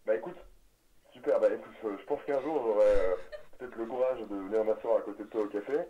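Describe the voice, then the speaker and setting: Un homme au téléphone pour un canular, au débit hésitant et un peu récité. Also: male voice, lowish voice, fast, mellow, natural voice. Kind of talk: prank phone call recording. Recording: dull lo-fi audio.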